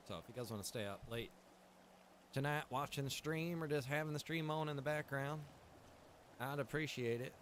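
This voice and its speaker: A man's voice: mid-range voice, a little hiss or hum. A man streaming a game live, chatting casually with his viewers and reacting as he plays. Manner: chatty, talks to chat and game characters. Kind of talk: casual live-stream chat while playing.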